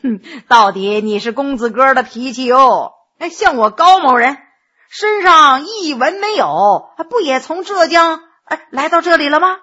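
A woman's voice: high voice, animated, a little slow, sharp tone, full character voice. A woman voicing a jovial, scheming male scholar who teases and boasts with lots of interjections, on a dull lo-fi recording. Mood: boastful. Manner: teasing, boastful, many interjections.

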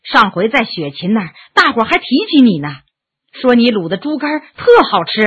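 Give me a calm, kind gentleman, acted by a woman narrator, low and gentle with a breathy rasp. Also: dull audio, full character voice. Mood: kindly. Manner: gentle, soothing, measured. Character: calm, kindly gentleman of old Beijing.

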